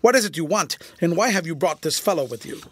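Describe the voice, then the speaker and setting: A man's voice: on the high side, expressive, fast, fairly bright tone, slightly rough, voice pushed up. A man voicing a stern, hot-tempered older general who speaks with command.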